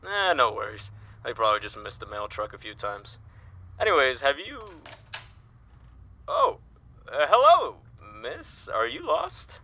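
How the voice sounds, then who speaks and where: Man playing bright, jovial, effusive office colleague. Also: medium pitch, wildly swooping pitch, a little slow, pauses often, heavily acted. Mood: cheerful. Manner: cheery, effusive, courtly. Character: jovial, folksy male newspaper office colleague. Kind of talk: audio drama dialogue.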